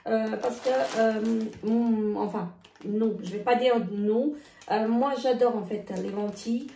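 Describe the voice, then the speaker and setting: Hesitant woman, gravelly voice. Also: a little high, steady tone, mellow, distant mic, a little hiss or hum. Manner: hesitant, many filler sounds, halting restarts. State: losing her voice. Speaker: vlogger. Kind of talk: casual grocery haul vlog. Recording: echoey room, voice off-mic.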